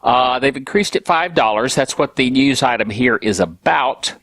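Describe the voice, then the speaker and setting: A man's voice: medium pitch, normal speed, fairly bright tone, dry recording. A man hosting a tech show alone, stuffy from a cold, talking casually with grumpy, self-mocking humor. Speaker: podcast host.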